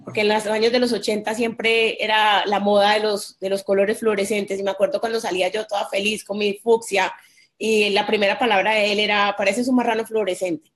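A woman's voice: medium pitch, flat delivery, a little fast. A woman in her forties from Colombia, a guest in an interview, telling her personal story candidly.

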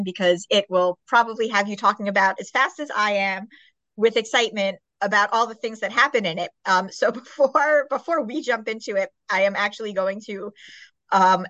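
A woman's voice: mid-range voice, a bit bright, no room sound, dull audio. A woman hosting a podcast, chatting casually about books in a peppy, enthusiastic, gushing way. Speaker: podcast host. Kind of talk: casual book chat interview.

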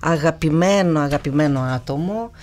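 A woman who grew up speaking Russian, with a slight tremble in her voice, talking in a reflective, unhurried way with soft fillers in an interview. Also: sits low. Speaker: guest singer. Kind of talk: relaxed interview conversation.

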